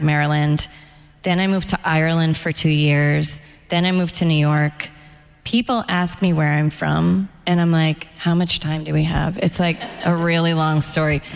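Interviewed on an event stage before an audience, a middle-aged novelist talks candidly and with wry humor about her life and writing. Her voice is fairly low with vocal fry, and the hall's long reverb makes the recording echoey.

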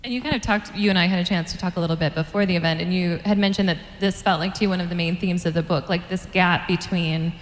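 Low-voiced woman moderator in a roomy hall. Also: steady tone, quick pace, hardly any pauses, a little hiss or hum. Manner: thoughtful, prepared questions. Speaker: interviewer moderator. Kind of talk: live event interview. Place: event hall.

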